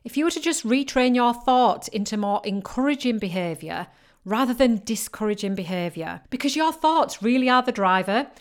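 A woman's voice: a little high, animated, normal speed. A woman with a northern English accent, giving an emphatic, motivational business-coaching talk. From northern England. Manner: emphatic, repetitive encouraging delivery. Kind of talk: motivational podcast monologue.

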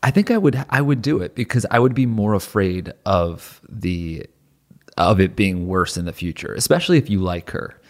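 A man's voice: low voice, expressive, normal speed. A man co-hosting a podcast, trading casual comedic banter. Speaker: podcast co-host.

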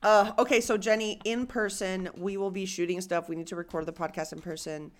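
Young woman, podcast co-host, chatty and animated, acts out quotes, mid-pitched voice. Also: a little fast. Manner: animated storyteller, acts out quotes, rambling tangents. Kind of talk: casual podcast chat.

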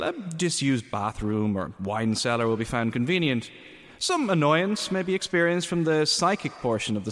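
Gentleman scholar villain played by a man, early 1800s: pompous, cold, animated pitch, long reverb, music behind. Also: natural voice. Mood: cold, methodical, then smug, gloating. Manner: pompous, formal, deliberate. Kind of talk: audio drama monologue, reading a written confession.

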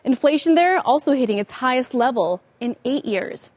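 An American woman anchoring a financial broadcast, delivering rapid market news in a brisk broadcast manner. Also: high voice, expressive, a little mellow, no echo. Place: TV news studio.

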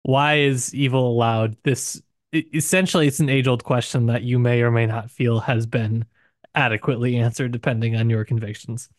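A man's voice: mid-range voice, steady tone, moderate pace, no room sound, clean studio sound. A man co-hosting a podcast, talking casually and discursively about literature, with hedges and asides. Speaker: podcast co-host.

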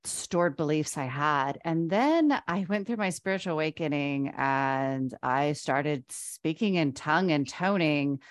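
A woman's voice: low voice, dry recording, clean studio sound. A middle-aged woman co-hosting a podcast, sharing a personal story earnestly with lots of fillers. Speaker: podcast co-host. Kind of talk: casual chat.

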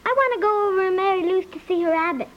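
A very high, childlike little girl's voice, plaintive and stubborn. She sounds like a reluctant young daughter in a 1950s radio comedy, on a dull, muffled old broadcast recording. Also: very fast. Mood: pleading.

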